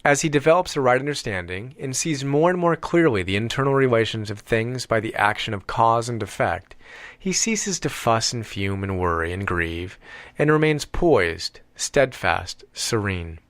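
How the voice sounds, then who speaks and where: Guy reading an audiobook, mid pitch, deliberate phrasing w/ emphatic pauses, dry close recording. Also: expressive, fairly bright tone, no room sound. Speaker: audiobook narrator. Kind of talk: scripted audiobook narration.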